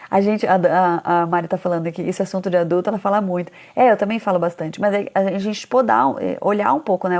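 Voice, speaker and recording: A woman talking casually to parents about children, animated, often acting out parents' complaints in a higher voice. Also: creaky. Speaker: parenting educator.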